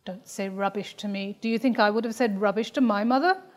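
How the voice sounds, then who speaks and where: A woman's voice: mid-range voice, brisk, lightly acted. A woman doing a stern, scolding immigrant mother.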